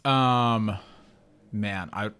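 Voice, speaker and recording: A man's voice: fairly low pitch, extremely slow, a bit bright, clear, resonant tone. Easygoing man telling his story. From United States. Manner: easygoing storyteller, hesitant with fillers. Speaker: guest, CrossFit coach and athlete. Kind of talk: casual podcast interview.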